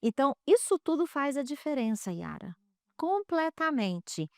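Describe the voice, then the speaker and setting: A Brazilian woman who is a guest expert on child development, speaking in an interview and telling stories with animated, acted-out dialogue. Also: high-pitched, measured pace, no echo, studio quality. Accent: Brazilian Portuguese. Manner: animated storytelling, acting out quoted dialogue. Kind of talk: interview conversation.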